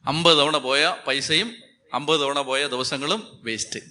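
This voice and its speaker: A man's voice: fairly high pitch, unhurried, sharp tone. A man with a Malayali accent, a Catholic priest preaching a sermon with emphatic, repeating phrases.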